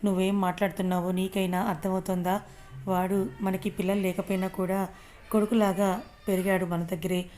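A woman's voice: medium pitch, flat delivery, fairly quick, a little mellow, lightly acted. A woman voicing an angry, stubborn older man.

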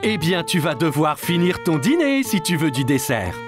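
An actor playing a calm, reassuring father in a children's cartoon, patiently explaining things. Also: medium pitch, normal speed, over music, natural voice. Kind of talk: cartoon voice acting.

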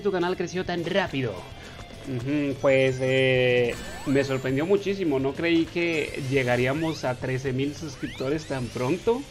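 Playful young Mexican man, gaming voice-over. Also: mid-range voice. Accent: Mexican Spanish. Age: 20s. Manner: playful, reads viewer questions aloud in a raised voice. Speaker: gaming YouTuber. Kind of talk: casual Q&A voice-over over gameplay.

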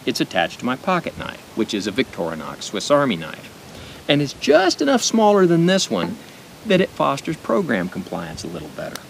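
A middle-aged American man with a speech impediment, giving an informal gear demonstration with deliberate pauses. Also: wildly swooping pitch, gravelly, rough recording. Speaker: knife and gear reviewer. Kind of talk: informal product demonstration to camera. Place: outdoors at a picnic table in woods. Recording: outdoor noise with low rumble.

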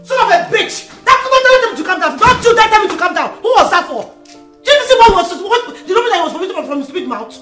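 A fiery young wife with a high, swooping voice, as an actress plays her, firing off words at speed. Light music plays faintly underneath. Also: big pitch swings, brisk. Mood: furious. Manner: shouting, hurling insults. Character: fiery young wife, quick-tempered and insulting. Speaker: actress in a drama.

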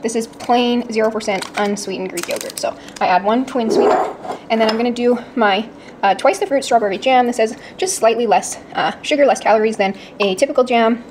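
A woman's voice: on the high side, a little fast, noisy background. A woman fitness vlogger chatting casually at home, explaining what she makes as she goes. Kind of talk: casual vlog chat. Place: home kitchen.

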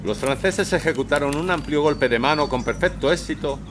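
A man's voice: fairly high pitch, a little fast, over music, close to an everyday voice. An actor playing a man who reads war news aloud to neighbours in a radio drama. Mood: declaiming, grave. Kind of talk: radio drama acting, reading newspaper aloud.

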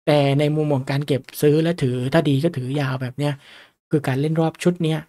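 With a voice pitched slightly high for a man, this stock market teacher talks casually about reading stock charts. He keeps the tone conversational and frequently asks his listeners short questions.

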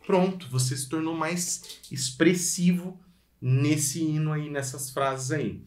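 A lively Brazilian man teaching violin online, speaking directly to his student. His voice sits a little high for a man, and the room around him rings with echo. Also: takes it slowly, soft background music. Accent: Brazilian Portuguese. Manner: energetic, addresses viewer directly, sings phrases to demonstrate. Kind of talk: online music lesson.

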